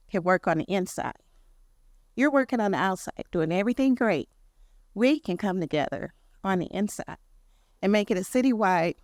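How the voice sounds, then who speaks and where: A woman, a community member, giving earnest and halting public comment, listing requests one after another. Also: mid-range voice, dry recording, studio quality. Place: city press briefing room.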